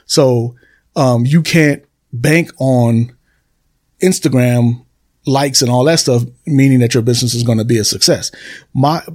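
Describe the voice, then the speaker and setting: A man's voice: medium pitch, measured pace, darkish tone. A man hosting a solo podcast, talking casually to his listeners and repeating phrases for emphasis. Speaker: podcast host. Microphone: computer desk recording.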